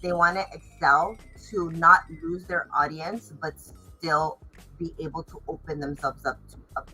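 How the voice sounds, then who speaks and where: A woman's voice: deep voice, steady tone, normal speed, bright, forceful tone, soft background music, low-quality recording. A woman chatting casually as a fashion designer in an interview, stressing words emphatically. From Los Angeles area, United States.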